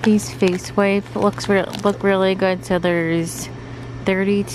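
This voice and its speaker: Speaking at a fairly slow pace with fairly even intonation, a woman is heard in a dry sound with no echo amid noticeable background noise. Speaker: lifestyle vlogger. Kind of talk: casual vlog chat. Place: shop.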